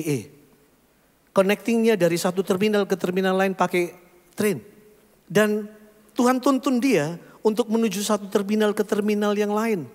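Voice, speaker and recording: A middle-aged male pastor, telling stories animatedly in a sermon. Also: high-pitched. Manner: animated storytelling, often calling the congregation "saudara". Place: church hall. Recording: long hall reverb.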